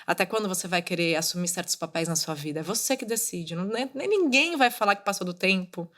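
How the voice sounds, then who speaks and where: She talks quickly and animatedly, her fairly low voice still sounding fairly bright. A woman in her thirties, she hosts a motivational solo podcast, keeping things casual while coaching listeners directly.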